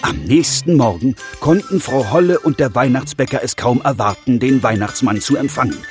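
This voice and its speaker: A man's voice: medium pitch, lively intonation, moderate pace, soft background music. A man narrating a Christmas fairy tale for children in a storytelling manner. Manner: warm storytelling.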